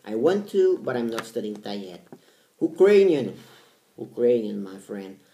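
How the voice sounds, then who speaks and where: A man's voice: lowish voice, big pitch swings, warm tone, echoey room. A man, talking casually to camera about his language studies and often restarting his words. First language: Portuguese. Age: 30s. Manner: halting, repeats words, stresses each language name. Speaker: language learning vlogger.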